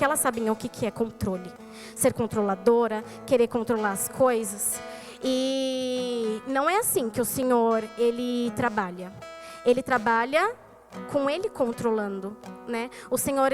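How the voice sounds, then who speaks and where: A high-pitched woman with a Brazilian Portuguese accent preaches a personal testimony to a church congregation, speaking directly to the people in front of her. Soft guitar music plays faintly behind her. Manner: storytelling, addresses the congregation directly. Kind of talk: sermon testimony. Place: church service.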